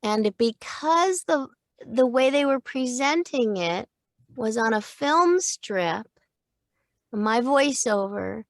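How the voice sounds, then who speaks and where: A woman's voice: fairly high pitch, lively intonation, takes it slowly, no room sound. A woman in her fifties, a voice actor, telling long rambling stories in a casual interview, with many restarts and little quoted voices. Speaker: voice actor guest.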